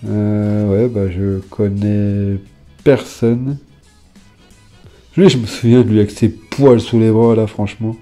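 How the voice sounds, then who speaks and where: A man casually chatting to his viewers while flipping through old trading cards, hesitant at times and bursting into sudden excited exclamations. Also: lowish voice, slow, faint music behind. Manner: hesitant, many fillers while reading names. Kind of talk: casual off-the-cuff commentary.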